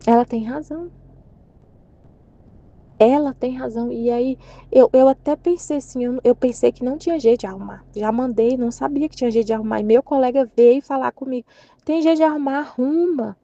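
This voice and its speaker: A woman's voice: fairly high pitch, a little fast, warm tone, lo-fi sound. A woman sharing a casual religious reflection in a conversational way, restarting her sentences and acting out quoted speech. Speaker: catholic channel presenter.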